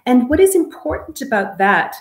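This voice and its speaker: Woman from canada, interview guest, explains stuff in a careful measured way, roomy echoey sound. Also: fairly high pitch, big pitch swings. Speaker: guest, election expert.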